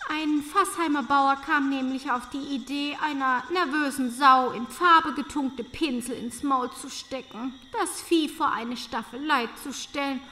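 High, affected, vain countess. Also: female voice, slow, bright, forceful tone, heavily acted. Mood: haughty disdain. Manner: affected, effusive, with tinkling social laughs. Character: vain, gushing aristocratic countess and painter, disdainful of rivals. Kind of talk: audio drama acting. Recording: long reverb, faint noisy ambience.

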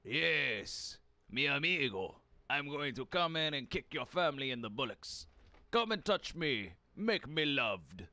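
A man's voice: medium pitch, sing-song, a little slow, bright, forceful tone, dry recording, full character voice. A man putting on a swaggering dictator's fake Hispanic accent. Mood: boastful. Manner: boastful, mock-threatening.

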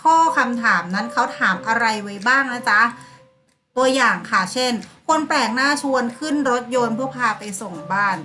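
A woman's voice: a little high, moderate pace, bright, forceful tone. A woman teacher giving a lesson to primary school pupils, calling on them by name and acting out sample replies. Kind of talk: online class lesson.

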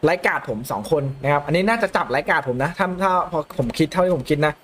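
A young man commentating his own football video game match, calmly explaining tactics between loud excited outbursts. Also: a little high, fast talker, slight background noise. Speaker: gaming YouTuber. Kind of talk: live gameplay commentary.

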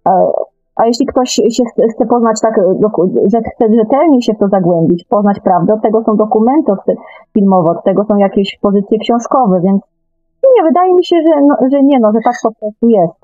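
A woman's voice: mid-range voice, a little fast, mellow, no room sound. Woman guest on a tinny phone-like line. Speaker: guest, novelist. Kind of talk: conversational radio interview. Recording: thin phone-like line, faint music.

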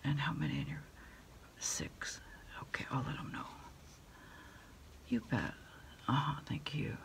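Whispering middle-aged woman, slow and hushed. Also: rumbling low, very animated. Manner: hushed, halting, unhurried. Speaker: ASMR creator playing a takeout order taker on the phone. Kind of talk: ASMR roleplay, whispered one-sided phone conversation.

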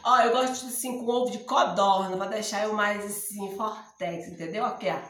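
A middle-aged woman from Ceará with a northeastern Brazilian accent, hoarse, chatting and joking to camera in her home vlog. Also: medium pitch, fairly even intonation, normal speed, fairly bright tone. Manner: joking, chatty, laughs often. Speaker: vlogger. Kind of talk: casual chat to camera. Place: small room indoors at home. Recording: echoey room.

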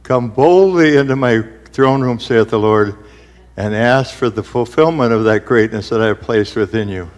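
A man's voice: mid-range voice, moderate pace, long reverb tail. A man speaking a solemn prophetic word in a church service. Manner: solemn, declaring. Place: church stage.

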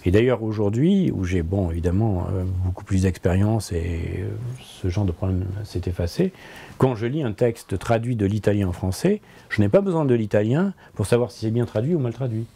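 Man, 60s, native French speaker, interview guest; low, dark, husky tone; reflective, hesitant delivery. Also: animated. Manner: thoughtful, halting, frequent repetitions and hesitations. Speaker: interviewee, philosopher and translator. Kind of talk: conversational interview. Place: book-lined office, indoors.

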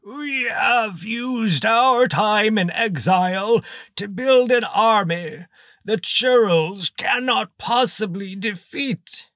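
A squeaky wheezing homunculus. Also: male voice, sharp tone, no room sound, heavily acted. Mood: menacing. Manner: slow, drawn-out, gloating menace. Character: wheezing scrawny cloned homunculus, male, menacing. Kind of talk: audiobook character voice.

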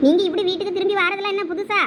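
Young woman for a village comedy skit, teasing and sharp-tongued, very high voice, faint noise behind. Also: fairly even intonation. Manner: sharp, teasing, quick retorts. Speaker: sketch actor.

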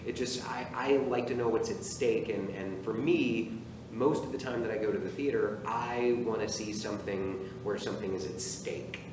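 A man's voice: fairly low pitch, moderate pace. Man talking on an echoey stage. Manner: animated, talks with his hands, many restarts. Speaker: theater artistic director, guest. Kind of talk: casual interview chat. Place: theater stage. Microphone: far camera. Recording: echoey stage from far off with noise.

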